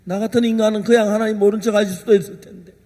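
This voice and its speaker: A male pastor delivers an impassioned sermon, sliding between hushed asides and loud outbursts. His voice sits high for a man. A long reverb trails after every phrase in the large church hall. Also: level tone, racing. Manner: emotional storytelling, swings from hushed to loud.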